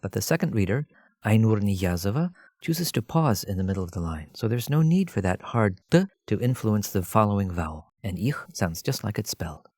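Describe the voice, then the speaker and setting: A man narrating a scripted language lesson as a teacher, explaining in a measured way and addressing the listener directly. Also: on the low side, very animated, a little mellow, no echo, clean studio sound.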